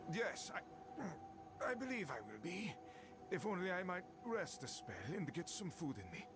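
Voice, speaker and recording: An actor playing a shaken, grateful shipwrecked sailor who speaks in a formal, old-fashioned way in a video game. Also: male voice, high voice, very animated, unhurried, noisy background. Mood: relieved. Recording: loud game music behind.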